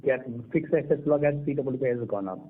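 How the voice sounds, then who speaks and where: Indian man, corporate executive on earnings call, hesitant measured delivery, narrow telephone sound. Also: mid-range voice. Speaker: company executive answering analysts. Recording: tinny narrow-band conference phone line.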